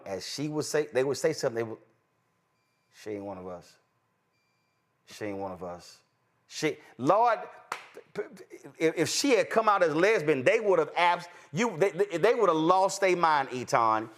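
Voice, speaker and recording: A man with a Texan accent hosts a commentary show, talking with a fairly high voice. He is emphatic and keeps swinging between sharp high exclamations and low muttered asides. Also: expressive, normal speed, long pauses. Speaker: host. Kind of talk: animated political commentary.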